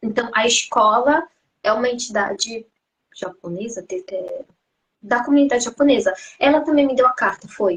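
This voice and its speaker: At a moderate pace, a woman with a high pitch talks with ordinary pitch variation and long, frequent pauses. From Japan and Belém, Brazil. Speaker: graduate student, former Japanese teacher. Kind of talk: interview. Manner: halting.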